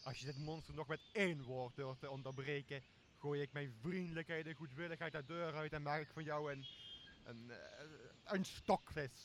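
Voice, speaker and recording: A drunken, self-important island lord played by a young man in an amateur radio play. He hands out orders pompously in a fairly high voice, with faint outdoor ambience behind him. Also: steady tone, normal speed, slight background noise, lightly acted. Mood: threatening. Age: young adult. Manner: commanding, pompous. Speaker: student actor. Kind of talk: amateur radio drama acting.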